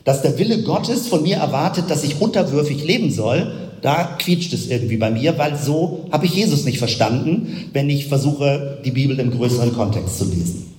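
Male preacher, animated explanatory delivery, long hall reverb. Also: medium pitch, moderate pace. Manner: explanatory, builds up with rhetorical questions. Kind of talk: sermon with close reading of Bible verses.

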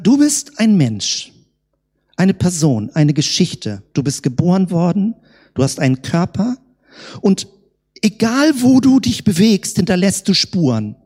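Husky woman preaching in echoing hall. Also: medium pitch, dark tone. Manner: rhetorical questions, slowed emphatic words. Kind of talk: sermon. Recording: long hall reverb.

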